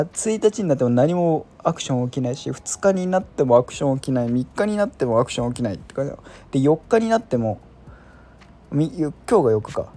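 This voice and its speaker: A man's voice: a little high, mellow. A man hosting a casual solo chat show, rambling and self-deprecating with lots of filler words. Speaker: podcast host.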